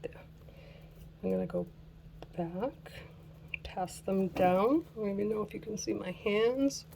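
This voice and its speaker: A woman hosting a casual craft tutorial who is losing her voice, chatting slowly while she works and laughing at her own mishaps. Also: mid-range voice, gravelly, background noise. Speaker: craft channel host.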